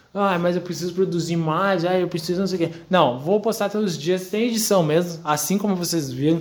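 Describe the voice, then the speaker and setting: Animated in tone, a man with a high pitch talks at a fairly quick pace with hardly any pauses. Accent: southern Brazilian. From southern Brazil, interior of Rio Grande do Sul. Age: 20s. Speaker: podcaster. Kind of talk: casual monologue.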